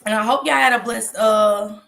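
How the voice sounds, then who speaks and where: A woman's voice: fairly high pitch, fairly even intonation, normal speed, gravelly, background noise. A woman with a stuffy nose hosting a casual livestream, chatting straight to her viewers with lots of ums. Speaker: true crime commentary host.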